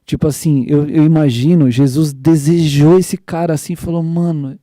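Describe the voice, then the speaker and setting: A young man hosting a casual church podcast, excitedly retelling scripture in slangy everyday speech. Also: a little high, moderate pace, no echo, studio quality. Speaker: podcast host.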